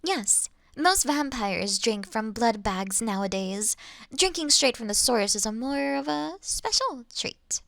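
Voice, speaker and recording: A woman's voice: a little high, animated, creaky, a bit bright, no room sound, heavily acted. A woman voicing a kind, playful female vampire who reassures and teases politely in an intimate roleplay audio drama. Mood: pleased, gentle. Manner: soothing, polite, teasing, unhurried.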